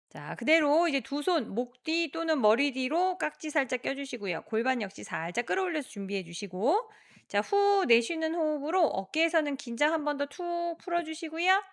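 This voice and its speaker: A woman exercise instructor guiding a workout, giving encouraging cues and counting reps aloud in a steady rhythm. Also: high-pitched, moderate pace.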